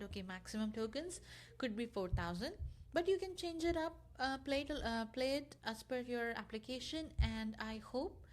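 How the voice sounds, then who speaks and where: A woman with a somewhat high voice walks through a software demo as a tutorial presenter. Her delivery is informal and explanatory, sounding loosely scripted, in the manner of a casual screencast.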